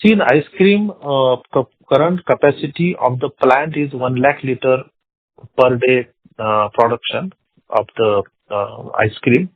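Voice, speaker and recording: A man's voice: medium pitch, dry recording. Indian-accented executive man on a tinny phone line. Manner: halting, repeats words and phrases. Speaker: company executive answering investor questions. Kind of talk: earnings call answers. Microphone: phone conference call.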